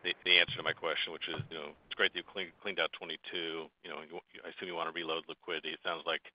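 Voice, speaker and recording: A man's voice: rumbling low, little pitch movement, very fast. A man calling in as an investor to ask questions on an earnings call, with casual, rambling phrasing and slightly muffled phone sound. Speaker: investor caller asking questions. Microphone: telephone.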